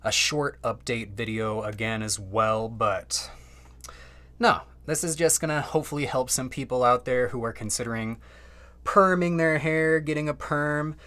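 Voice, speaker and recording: A man's voice: mid-range voice, a little slow, pushed and bright. A young man casually chatting on a live stream from home, loose and slangy with lots of fillers. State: slightly out of breath.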